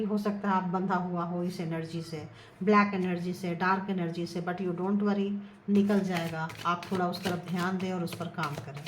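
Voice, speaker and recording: A woman giving a casual tarot reading to her viewers, earnest and repetitive, softly chanting her requests to the cards. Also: mid-range voice. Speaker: tarot reader. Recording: echoey room with faint ambient noise.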